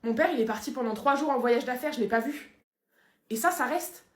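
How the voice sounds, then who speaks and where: A whiny, self-pitying young cheater, as a woman acts him out in a comedy sketch, fairly high and muttering excuses. The sound is roomy and echoey. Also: fairly quick, lightly acted.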